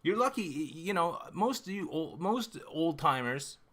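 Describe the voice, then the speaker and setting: A Canadian man of fifty hosts a livestream, his fairly high voice a bit bright, with lively intonation and a measured pace. He talks casually to viewers, rambling, cutting himself short, and swearing all the time.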